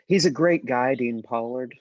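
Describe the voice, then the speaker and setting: A man's voice: medium pitch, a little mellow, dry recording. A man plays an apologetic college-student son at a script read, speaking hesitantly and with deference. The recording is dry and a little dull. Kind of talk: table read of a screenplay.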